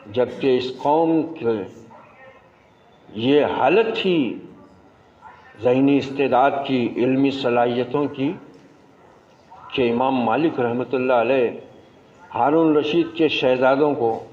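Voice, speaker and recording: A man's voice: mid-range voice, a little mellow. Man preaching in an echoey mosque. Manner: didactic, exasperated rhetorical asides; storytelling with a slow, emphatic cadence. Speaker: imam giving Friday sermon. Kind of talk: Friday sermon in Urdu. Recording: echoey mosque, dull lo-fi sound.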